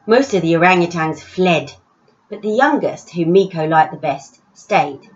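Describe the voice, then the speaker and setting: A woman author reading her own story aloud in an expressive children's storytelling style. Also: on the low side, unhurried, highs cut off.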